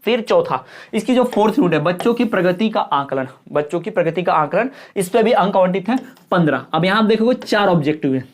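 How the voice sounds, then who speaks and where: A woman teacher giving an exam-prep lecture, often asking if things are clear and adding up marks aloud. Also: lowish voice, lively intonation, a little fast.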